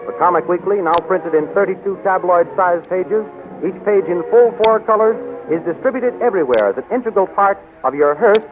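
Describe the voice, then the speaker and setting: A man's voice: high voice, normal speed, music in the background. A man announcing and narrating in dramatic, declamatory 1930s radio style. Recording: tinny, hissy 1930s radio recording.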